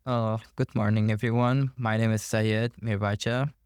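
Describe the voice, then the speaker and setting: A man's voice: lowish voice, little pitch movement, normal speed, a little mellow, clear, resonant tone, no echo, clean studio sound. A young man from Afghanistan, a student activist, introducing himself earnestly and formally. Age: young adult. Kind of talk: interview self-introduction.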